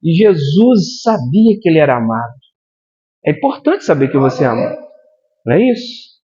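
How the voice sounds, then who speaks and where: A male pastor preaches in church, calling out to the congregation and checking in with them as he goes. His voice is fairly high and swings widely in pitch. The recording is dull and lo-fi. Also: normal speed. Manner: animated, addresses the congregation directly with frequent "amém?". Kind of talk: sermon.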